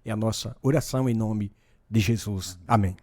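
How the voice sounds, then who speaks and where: A pastor from Rio Grande do Norte with a Northeastern Brazilian accent, calm and brief as a radio studio guest. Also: male voice, fairly low pitch, moderate pace. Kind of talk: casual radio interview.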